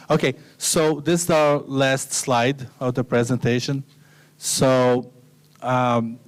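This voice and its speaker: Man giving a smooth, relaxed slide lecture. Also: medium pitch. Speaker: guest lecturer.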